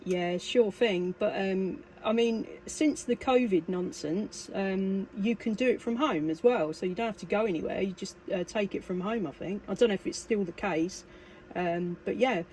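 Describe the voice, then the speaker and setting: The recording is a clearly noisy amateur one, with radio hiss and background noise. Through it, a British woman who operates amateur radio chats in a hesitant, rambling way, her mid-range voice a little mellow and moderately paced.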